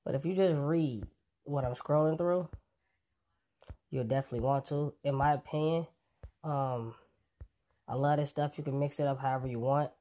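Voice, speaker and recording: A fitness vlogger casually pitching a coffee to his viewers, relaxed and chatty, with plenty of ums. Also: normal speed, pauses often.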